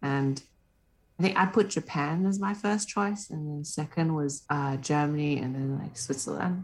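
A woman speaks with a very deep, low pitch at a moderate pace. Her pitch variation is ordinary, and the recording is very clean with a silent background. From Australia. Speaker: recent graduate. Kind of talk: casual chat.

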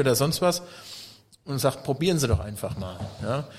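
A man talks at a fairly quick pace. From Rheinhessen, Germany. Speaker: craft brewer. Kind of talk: casual chat.

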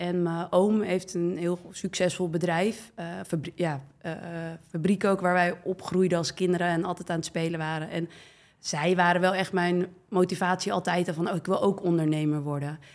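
Speaking at a moderate pace, a woman keeps a monotone, flat intonation at a fairly low pitch. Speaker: entrepreneur. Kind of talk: interview. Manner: hesitant, many fillers.

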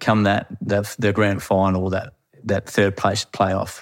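In a very clean recording with a silent background, a man speaks at a fairly low pitch with an Australian accent. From Western Australia, Harvey. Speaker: amateur cricketer and coach. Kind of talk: interview.

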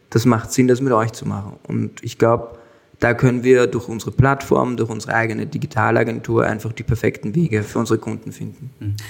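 Using a plain, everyday voice, a man speaks at a fairly quick pace in a medium pitch with fairly even intonation. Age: 30s. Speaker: agency founder and CEO. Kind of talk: interview. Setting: video call.

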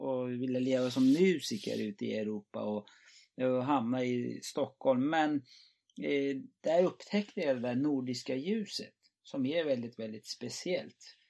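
Here a man speaks at a medium pitch and a fairly slow pace. His tone is dark and mellow, with ordinary pitch variation. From Turkey, Istanbul. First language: Turkish (speaking Swedish). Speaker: landscape photographer. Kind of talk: interview.

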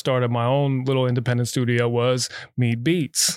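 A man with an American accent speaks at a moderate pace and medium pitch in an unremarkable speaking voice. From Allentown, Pennsylvania. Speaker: rapper and producer. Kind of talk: casual chat. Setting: home basement studio.

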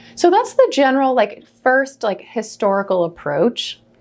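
A woman's lively intonation carries through a normal speaking voice as she talks at a moderate pace. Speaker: nurse practitioner and podcast host. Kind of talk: educational monologue. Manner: casual, conversational with filler words.

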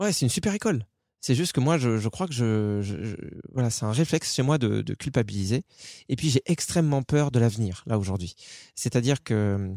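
The recording is very clean, with a silent background and a dry, close sound with no echo. A man with a dark, mellow tone speaks fairly quickly at a medium pitch, with lively intonation. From rural France. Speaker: podcast host. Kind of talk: casual chat. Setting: in a caravan.

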